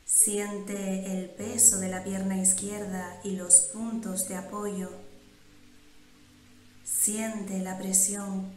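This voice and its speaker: A woman guiding a meditation in calm, measured instructions with pauses between phrases. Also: medium pitch. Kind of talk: slow, soothing guided meditation. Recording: roomy, echoing sound.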